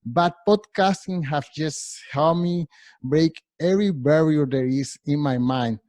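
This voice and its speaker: A man's voice: fairly high pitch, darkish tone, no room sound. Spanish-accented man giving a workshop talk. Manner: halting, many restarts and fillers. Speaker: workshop presenter.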